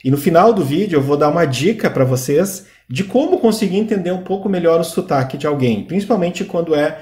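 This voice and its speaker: A man from southern Brazil hosting a casual chat about accents, talking in a relaxed, conversational way and asking questions. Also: a little high, a little fast, echoey room. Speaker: host. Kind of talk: casual commentary on video clips.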